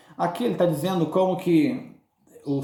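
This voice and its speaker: A man speaks, and room echo is audible. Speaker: teacher. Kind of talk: lecture. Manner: fast.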